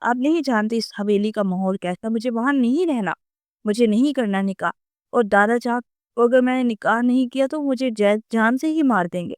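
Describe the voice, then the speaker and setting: A woman's voice: fairly high pitch, no room sound, clean studio sound, close to an everyday voice. A woman reading the lines of a frightened young female student who pleads for help through tears. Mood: pleading. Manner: pleading, tearful.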